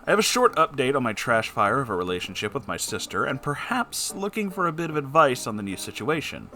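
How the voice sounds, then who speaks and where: A man's voice: medium pitch, big pitch swings, fairly quick, sharp tone. A man hosting a letter-reading show, performing listeners' letters expressively and answering with wry, conversational advice. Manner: theatrical, wry asides.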